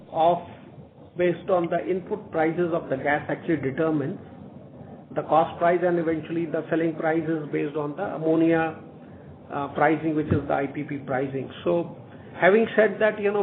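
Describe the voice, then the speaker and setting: A man with an Indian accent speaking haltingly as a company executive on a corporate earnings call over a phone line. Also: on the high side. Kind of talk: corporate conference call briefing. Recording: tinny phone line with faint noise.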